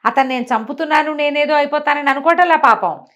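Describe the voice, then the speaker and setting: A woman telling moral tales aloud in an animated, conversational way, explaining as she goes and acting out dialogue. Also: high-pitched, fast talker, lo-fi sound. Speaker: storyteller.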